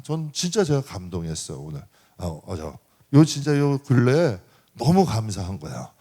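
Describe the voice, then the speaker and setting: A middle-aged male pastor gives a sermon in a church, his voice at an ordinary middle pitch for a man. He keeps it lively and swinging, rising and falling as he throws rhetorical questions to the congregation. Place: church sanctuary.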